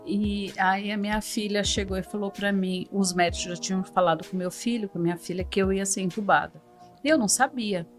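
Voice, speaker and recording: A woman's voice: mid-range voice, steady tone, a little fast, soft background music. Woman giving emotional testimony. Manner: emotional, often soft and hushed. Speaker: podcast guest giving testimony. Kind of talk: religious testimony.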